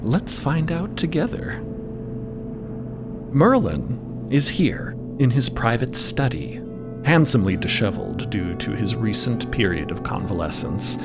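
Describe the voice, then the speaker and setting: A man's voice: medium pitch, sing-song, a little slow. A man narrating a story podcast in a dramatic, playful, theatrical way with casual asides. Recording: loud music bed under voice. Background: loud music.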